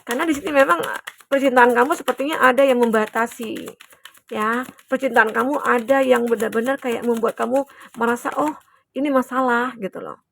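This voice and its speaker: A woman's voice: a little high, a little fast, vocal fry, a little hiss or hum. A young adult woman giving a chatty, reassuring collective tarot reading to her viewers, with many fillers. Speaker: tarot reader.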